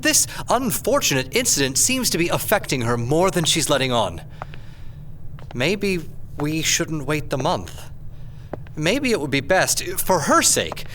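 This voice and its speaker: A man playing a smooth, scheming corporate official who feigns concern, in an audio drama. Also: on the high side, fairly bright tone, far from the mic, a little hiss or hum. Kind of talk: audio fiction drama acting.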